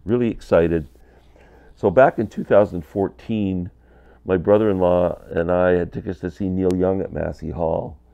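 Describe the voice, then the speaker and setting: A man's voice: deep voice, steady tone, normal speed, vocal fry, narrow, tinny audio. A man in his fifties with a stuffy cold, chatting casually to camera from his basement about records. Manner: chatty, candid, gestures a lot with hands. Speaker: vinyl collector vlogger. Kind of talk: casual rambling vlog. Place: basement room, indoors, small.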